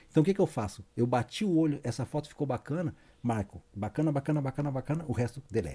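A man talks very fast at a medium pitch, his tone dark and mellow. His voice is somewhat breathy, with lively intonation. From Brazil, Porto Alegre (Rio Grande do Sul). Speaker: photographer. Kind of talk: casual chat.

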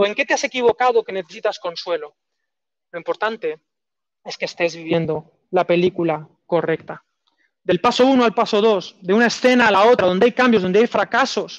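A man with a Spanish accent speaks at a fairly quick pace in a high pitch with ordinary pitch variation. The sound is dry and close, with no echo. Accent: Peninsular Spanish. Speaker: preacher. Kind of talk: sermon. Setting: summer cinema, live audience. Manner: warm, exhortative, conversational; animated, humorous asides to audience.

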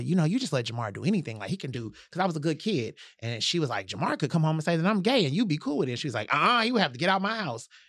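Very fast and with lively intonation, a man speaks in a very clean recording with a silent background. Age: 30s. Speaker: retired educator and business owner. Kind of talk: casual chat. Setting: studio with camera.

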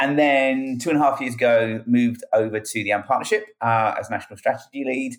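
Talking at a fairly quick pace with hardly any pauses, a man keeps a medium pitch. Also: ordinary pitch variation. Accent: British. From UK. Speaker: advertising strategist. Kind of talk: interview.

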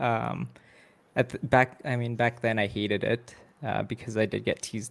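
A man's monotone, flat delivery with vocal fry at a moderate pace. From Philippines, raised in Western Canada. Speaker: podcast co-host and transportation worker. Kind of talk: casual chat.

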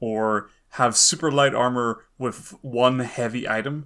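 This man's voice sits at a medium pitch with a bright, sharp tone and ordinary pitch variation, on a very clean recording with a silent background. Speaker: podcast host and game streamer. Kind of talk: casual chat. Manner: loud, animated.

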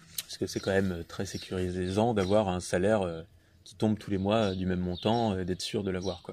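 Very deep and low, a man's voice moves at a fairly quick pace in a flat monotone, with big swings in loudness. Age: 20s. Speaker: landscape gardener, business founder. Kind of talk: interview.

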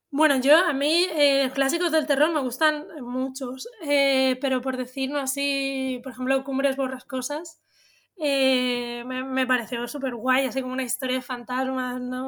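A woman's high-pitched voice with monotone, flat intonation. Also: fairly slow pace. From Madrid, Spain. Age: 30s. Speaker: writer and essayist. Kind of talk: interview. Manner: halting, many fillers and repetitions.

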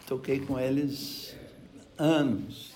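Monotone and flat, a man with a fairly high voice is heard with audible room echo. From Brazil, São Paulo. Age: 60s. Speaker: guitarist. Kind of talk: interview. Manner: halting.

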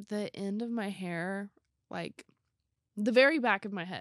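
The delivery is fairly slow, and the sound is dry and close with no echo. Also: woman. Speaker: guest. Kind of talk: casual chat.

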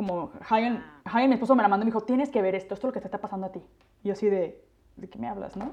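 A woman with a Mexican accent and a fairly high pitch. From Mexico, moved around. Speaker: podcast host. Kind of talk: casual chat.

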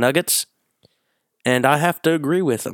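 A man with a Southern US accent, in a dry, close sound with no echo. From Tennessee, US South. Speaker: sports podcast host. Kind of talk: solo sports commentary podcast.

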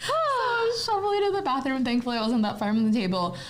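Noticeable background noise sits behind the voice. The pace is very fast, with ordinary pitch variation. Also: woman. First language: Spanish. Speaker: podcast host. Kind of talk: casual chat.

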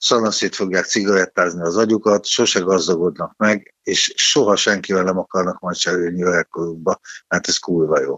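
His pitch fairly low, a man with an ordinary speaking voice keeps a moderate pace and ordinary pitch variation. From Budapest, Hungary. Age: 60s. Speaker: rock musician. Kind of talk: casual interview. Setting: phone call.

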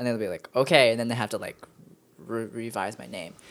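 The speaker has an American accent and vocal fry. The pace is fairly quick. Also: man. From United States. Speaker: guest. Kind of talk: casual conversation.

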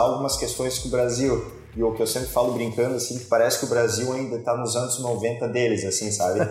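Talking at a very fast pace, a man with a medium pitch is heard over noticeable background noise and audible room echo. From southern Brazil, Joinville. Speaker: event organizer, restaurateur. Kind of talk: podcast interview.

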